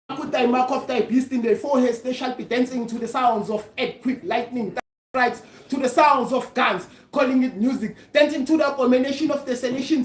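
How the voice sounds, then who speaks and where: A woman reciting a spoken-word poem at a gathering, with an impassioned, declamatory delivery. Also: sits high. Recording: roomy echo.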